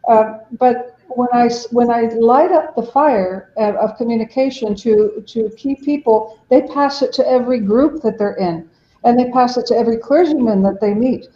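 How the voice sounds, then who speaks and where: A woman's voice: a little high, moderate pace, mellow. Earnest woman on roomy, dull remote audio. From Mexico. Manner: earnest, explanatory, acts out quotes. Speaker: ministry director, guest. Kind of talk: podcast interview.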